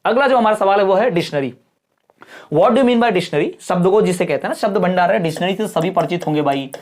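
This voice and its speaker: A woman teacher giving an exam-prep lecture. She reads English definitions slowly, explains them, and often stops to check that her students understand. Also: fairly low pitch, lively intonation, a little mellow. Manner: keeps checking understanding with quick questions.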